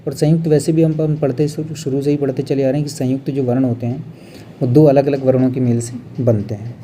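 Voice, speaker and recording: Dark-voiced man teaching Hindi grammar. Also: mid-range voice, fairly even intonation, slight background noise. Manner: explains step by step, often adds "bhai" and "hai na"; drawn-out, slow when showing pronunciation. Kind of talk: exam revision lesson.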